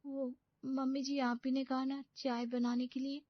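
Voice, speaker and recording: A woman voicing a clueless, pampered young bride who speaks softly and nervously in a cartoon. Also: sits high, flat delivery, measured pace, no room sound, voice pushed up. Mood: naive. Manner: nervous, naive, soft. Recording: dull lo-fi dry recording.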